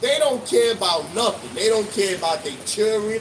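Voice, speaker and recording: A loud, shouting man with a high pitch, with audible room echo and noticeable background noise. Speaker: street preacher. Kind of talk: street preaching. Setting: outdoors on the street. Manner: loud, yelling; halting with repetitions.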